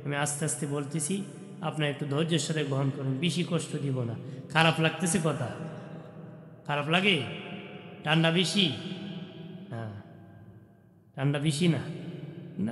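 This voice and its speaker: High chanting preacher over echoing speakers. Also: male voice. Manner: swings from soft talk to high chanted calls. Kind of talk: Bengali waz sermon, chanting. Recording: echoey long reverb through PA.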